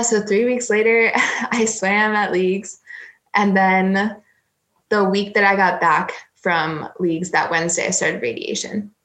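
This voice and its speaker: A woman's voice: medium pitch, fairly bright tone. A 21-year-old woman speaking candidly as an interview guest, rambling with many fillers. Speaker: interview guest, college swimmer. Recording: roomy echo.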